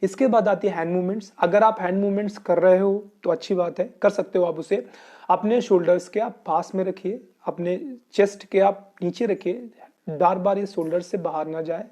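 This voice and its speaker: This explanatory Hinglish lesson features a man from Uttar Pradesh, with an Indian Hindi-speaking accent, teaching English and answering his own questions at a moderate pace in a high, mellow voice.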